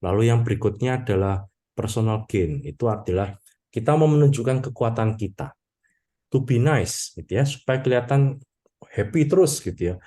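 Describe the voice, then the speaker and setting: A man's voice: mid-range voice, animated, normal speed, mellow. A Catholic priest preaching a conversational sermon to his congregation, talking casually and often adding small tag questions to his sentences. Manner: conversational, peppers talk with "gitu ya" and "ya toh"; addresses congregation as "Bapak Ibu".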